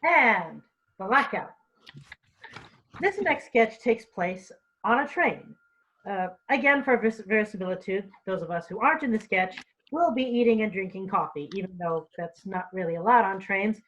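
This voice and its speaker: A woman's voice: mid-range voice, lively intonation, normal speed, a bit bright, low-quality recording. A woman presenting sketches and reading stage directions at a virtual comedy reading.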